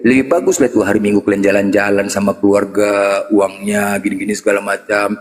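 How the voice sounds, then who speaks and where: A man's voice: fairly low pitch, little pitch movement, a little fast. A man telling a story in a debate chat, teasing, laughing and mimicking the people he quotes. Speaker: Muslim apologist debater. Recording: echoey room with long reverb.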